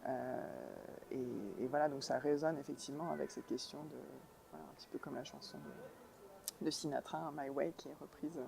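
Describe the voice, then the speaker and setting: A woman in her thirties from New York, a documentary filmmaker giving a thoughtful interview answer, pausing often to search for words. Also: a bass voice, fairly even intonation, vocal fry, background noise. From New York, United States.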